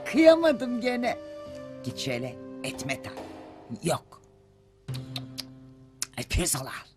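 A woman's voice: medium pitch, huge pitch swings, takes it slowly, over music. An actress playing a sarcastic, scolding mother who teases her idle grown son. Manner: scolding, sarcastic, proverb-quoting. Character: sharp-tongued scolding mother, a hodja woman. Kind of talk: TV film acting.

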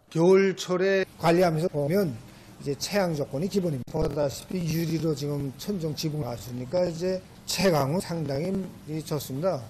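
A North Korean-accented man explains his work as staff in an interview. His voice is fairly high, over faint ambient noise. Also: mellow. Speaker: restaurant staff member.

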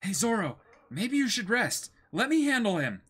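A man's voice: sits high, big pitch swings, normal speed, a bit bright, husky, pitched above the performer's own voice, heavily acted. A man voicing young pirate adventurers in an exclaiming, dramatic comic-book reading. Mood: concerned.

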